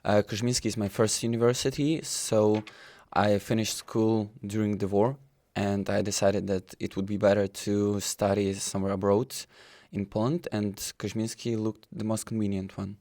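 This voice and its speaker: A man's voice: on the low side, flat delivery, normal speed, dark tone. A young man from Ukraine with a Ukrainian accent, speaking candidly and loosely in an interview. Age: young adult. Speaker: student guest. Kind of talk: interview answers.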